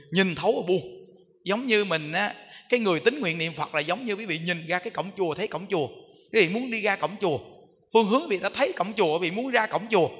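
A man preaches as a monk, his voice high and bright as it rings through a long reverberant hall. He talks to his listeners in an easy way and keeps asking them rhetorical questions. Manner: conversational, rhetorical questions to the audience. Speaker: Buddhist monk giving a dharma talk. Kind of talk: sermon to lay followers. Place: temple hall.

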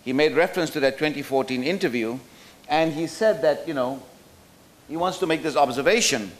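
A middle-aged South African man speaks fairly quickly in a fairly high voice at a hotel function room roundtable, lecturing with slides from a podium mic. He's thoughtful but hesitant, with lots of fillers and restarts.

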